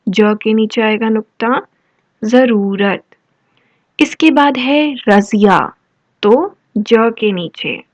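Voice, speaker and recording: Patient woman teacher, slightly high voice, unhurried delivery, dry lo-fi voice-over. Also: no echo. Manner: slow, patient, explains word by word. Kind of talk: worksheet lesson for children. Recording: dull lo-fi voice-over.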